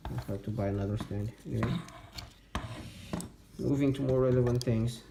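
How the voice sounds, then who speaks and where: A man slowly talking through a toy transformation step by step, muttering to himself as he works. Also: medium pitch, vocal fry. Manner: slow, step-by-step instructional talk, muttering to himself. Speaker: toy reviewer. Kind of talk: hands-on toy transformation demo. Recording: echoey room with background noise.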